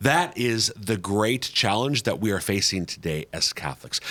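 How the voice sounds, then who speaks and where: Lively intonation runs through this voice with a Minnesotan accent. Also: man. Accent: Minnesota. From central Minnesota. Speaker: podcast host. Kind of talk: casual chat. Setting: studio.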